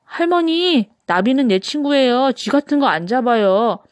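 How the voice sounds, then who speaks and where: An earnest little storybook boy, voiced by a woman, pitched very high. He sounds tender and pleading. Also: lively intonation, normal speed, dry recording, clean studio sound. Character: small boy, tender and protective of his cat.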